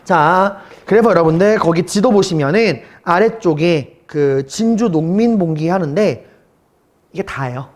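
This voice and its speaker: This man's voice sits high and his pace is unhurried as he leads a middle school history lesson in a recorded online lecture. Chatting casually with students and throwing out rhetorical questions, he alternates between polite and informal language.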